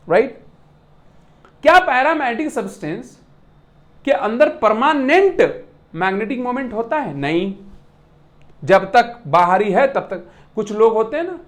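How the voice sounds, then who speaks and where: Physics lecturer, lively and repetitive, teases the class with analogies and quick check-in questions. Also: mid-range voice. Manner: animated, repeats points with rhetorical questions and playful classroom analogies; mixes English technical terms into Hindi speech. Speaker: physics teacher.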